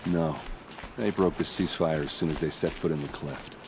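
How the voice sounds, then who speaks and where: A man's voice: extremely low pitch, fairly even intonation, moderate pace, noisy background. A man voicing a grieving, self-doubting tribal warrior in a video game, speaking bluntly with weary bitterness. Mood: puzzled. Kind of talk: video game cutscene acting.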